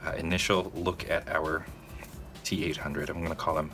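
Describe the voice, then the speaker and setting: A man's voice: extremely low pitch, level tone, normal speed, over music. A man hosting a narrated drawing tutorial, talking casually to viewers and checking in with them often. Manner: casual, addresses viewers directly, frequent "okay?" check-ins.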